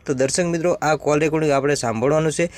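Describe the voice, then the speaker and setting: A man's voice: on the high side, steady tone, very fast, darkish tone. A man hosting a news channel, addressing viewers and repeating a filler word constantly. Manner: repeats "friends" in almost every phrase. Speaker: channel host. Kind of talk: excited video narration.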